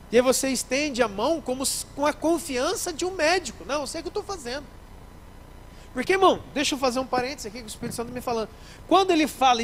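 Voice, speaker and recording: A man, a pastor preaching a sermon in church, lively, acting out little scenes and speaking straight to the congregation. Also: extremely high pitch, slight background noise, poor audio. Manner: animated, acts out scenes, addresses the congregation directly.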